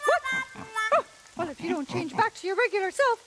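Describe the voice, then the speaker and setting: Woman doing a fussy, excitable monarch. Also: very high voice, brisk. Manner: fussy, exclamatory, bossy. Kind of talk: puppet show acting. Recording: puppet show with music behind.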